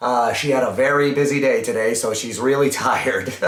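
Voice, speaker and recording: Recorded with audible room echo and noticeable background noise, a man with a fairly high voice talks at a moderate pace with ordinary pitch variation. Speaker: YouTube horror movie reviewer. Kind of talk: casual monologue. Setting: filming at a friend's house, not usual location. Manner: hesitant, many fillers.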